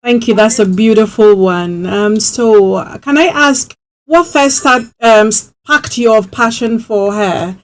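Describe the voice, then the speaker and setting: Slow-talking female radio host. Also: fairly high pitch. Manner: soft encouraging backchannels. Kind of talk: casual radio interview.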